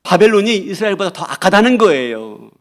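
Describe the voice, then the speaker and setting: High-pitched male pastor in a church sermon, repeats key lines and checks in with the congregation. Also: big pitch swings, fairly quick. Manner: asks the congregation rhetorical questions; repeats key phrases for emphasis.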